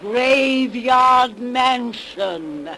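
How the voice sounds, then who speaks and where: A woman's voice: a little high, lively intonation, drawn-out words, pushed and bright, exaggerated voice. A woman playing a gleeful witch over a hundred years old, telling horror tales in folksy, speech for 1930s radio. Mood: eerie relish. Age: over 100, as played. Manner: folksy, relishing macabre tales. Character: cackling, gleeful 110-year-old witch storyteller. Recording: noisy 1930s radio broadcast.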